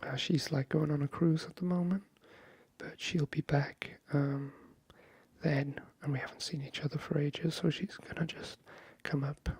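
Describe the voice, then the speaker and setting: Man, very breathy soft-spoken ASMR, flat narrow pitch, hesitant friendly chat, close mic. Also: moderate pace, no echo. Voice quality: soft, breathy, half-whispered. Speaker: ASMR video creator.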